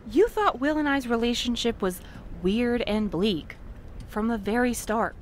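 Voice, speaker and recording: A woman's voice: fairly high pitch, expressive, unhurried, a little hiss or hum. An actress playing an earnest, romantic, stubborn woman courier, emotionally open, in a naturalistic audio drama. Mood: hurt, defensive.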